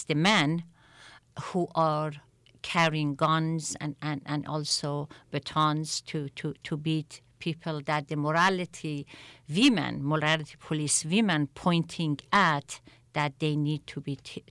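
A middle-aged woman from Iran answers interview questions in a deliberate, halting way, often repeating words as she restarts her sentences. Her voice sits low and her pace is slow. The recording is dry, with no room sound. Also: a bit bright, smooth, dry recording. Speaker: guest, attorney and activist.

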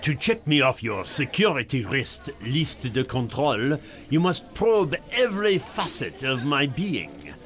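A man playing an absurdly pedantic existentialist, excitable and argumentative in sketch comedy. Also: medium pitch, unhurried, few pauses. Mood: indignant pedantry.

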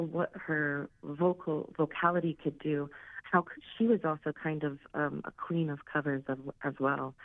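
A woman's voice: deep voice, no room sound. A woman in her late thirties, a singer, chatting casually as an interview guest with plenty of ums and laughs. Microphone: phone line. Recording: tinny phone line.

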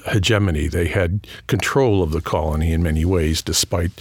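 A middle-aged man with a New England accent, a history professor answering interview questions in a thoughtful, measured way with frequent fillers and restarts. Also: sits low, slightly rough. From New England, just outside Boston. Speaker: history professor and author, guest.

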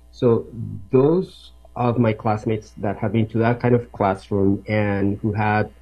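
A man from Colombia, a native Spanish speaker, explaining his research as a professor in careful, measured interview answers. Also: lowish voice, highs cut off.

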